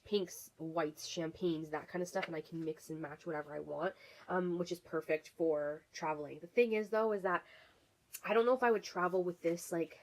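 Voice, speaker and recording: A chatty woman reviewing her favorite makeup, talking in a fairly low voice. She gushes, restarts her sentences and fills the gaps with ums. She is still getting over a cold. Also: a little mellow, poor audio. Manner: chatty, many fillers and restarts, gushing. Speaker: beauty vlogger. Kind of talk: casual product review.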